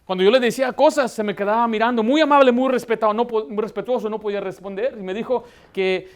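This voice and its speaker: A man's voice: sits high, fast. A man preaching a Baptist sermon as pastor, telling stories and raising his voice to stress a point. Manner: preaching with anecdotes, voice rising for emphasis.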